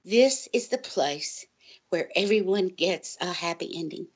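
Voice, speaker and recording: An actress playing a distraught, paranoid college librarian in an audio drama, earnest and insistent, halting and pleading in her delivery. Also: on the low side, animated, breathy edge. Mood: anxious, wounded. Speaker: guest on a college radio show.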